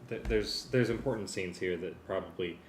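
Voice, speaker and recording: A man's voice: low-pitched, moderate pace. A man thinking aloud hesitantly in casual working talk, as a music arranger sorting out cues. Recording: echoey room, some background noise.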